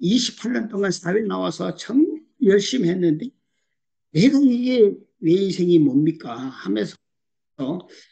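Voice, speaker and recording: Against a quiet background, a man speaks very slowly in a high pitch with very wide pitch swings. His tone is dark and mellow. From China (ethnic Korean, Joseonjok). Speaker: network marketing distributor. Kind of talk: motivational testimony seminar talk. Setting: video call. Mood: warm, smiling. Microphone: video call.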